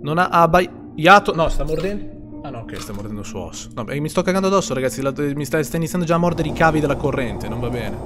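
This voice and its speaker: A man's voice: on the high side, lively intonation, quick pace, over music. A young man streams a horror game, jittery and swearing as he talks to chat. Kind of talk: horror game let's play.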